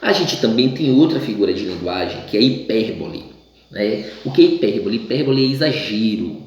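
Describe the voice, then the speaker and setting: A man's voice: on the low side, expressive, fairly quick, a little mellow, lo-fi sound. A male teacher from Bahia, Brazil, giving a casual class lesson, stumbling and restarting often and acting out the voices he quotes. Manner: chatty, acts out quoted voices, many restarts. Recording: very echoey room.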